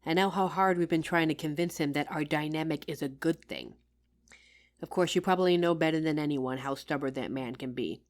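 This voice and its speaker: A woman's voice: low-pitched, brisk, lightly acted. A woman playing a loving, tired career-woman wife in an intimate audio roleplay, speaking tenderly and teasingly as if to her husband. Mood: tender, reflective.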